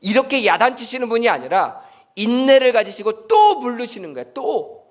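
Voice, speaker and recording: Man, pastor, sermon, high voice, very animated pitch, quizzes the congregation. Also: moderate pace. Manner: animated, asks the congregation questions and acts out dialogue.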